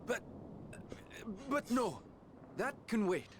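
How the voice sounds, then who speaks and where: A man's voice: extremely high pitch, sing-song, noisy background, heavily acted. A man playing a humble, frightened fisherman in a video game, stammering and anxious. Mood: nervous, fearful. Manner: halting, stammering. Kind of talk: dramatic video game acting. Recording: music under the voice.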